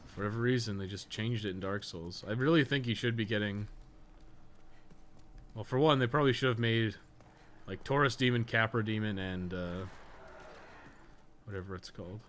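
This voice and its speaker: This livestreamer and podcast co-host talks in a lowish, slightly bright voice at normal speed, leaving long pauses. His gaming stream commentary is casual and rambling, slangy and full of swearing, with noticeable background noise in the recording.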